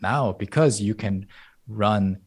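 Speaking slowly in a lowish, darkish, husky voice, a man whose native tongue is Korean talks in English as the guest of a casual interview. He teaches Korean and thoughtfully illustrates language concepts through examples and analogies, laughing lightly now and then.

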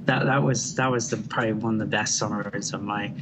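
A man's voice: fairly low pitch, fairly even intonation, a little fast. A middle-aged man with a Dublin accent who is an architect, talking in a reflective, rambling way with many fillers and restarts. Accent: Irish, Dublin. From Ireland. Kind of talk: casual interview. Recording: loud background noise.

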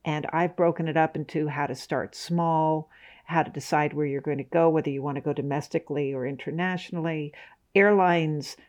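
A woman's voice: sits low, steady tone, normal speed, a little mellow. Woman, interview guest, speaks steadily and informatively, a little hesitant at times. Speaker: guest, travel writer. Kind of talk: interview answers.

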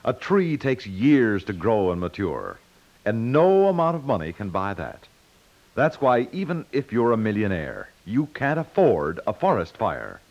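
A man's voice: fairly low pitch, sing-song, measured pace, a little mellow. A man with an American accent reading scripted announcements as a 1950s radio announcer, on a dull old recording.

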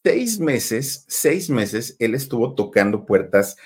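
A man's voice: mid-range voice, big pitch swings, slow pace, slightly rough. A man with a Mexican accent telling a gossip story in a chatty way, talking straight to his listeners. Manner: chatty, addresses listeners directly, many fillers. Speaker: storytelling host.

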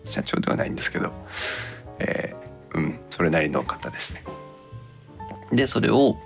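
A man with a low, creaky voice chats casually as a podcast host. His pitch moves around in a lively way as he explains things in halting, polite but relaxed phrases. Faint music sits behind him.

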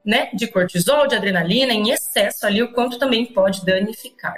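A woman's voice: mid-range voice, brisk, faint music behind. A woman, a parent educator telling classroom stories on a podcast, acting out dialogue as she goes. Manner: lively storyteller, acts out classroom dialogue. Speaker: parent educator and former teacher. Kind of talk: podcast interview.

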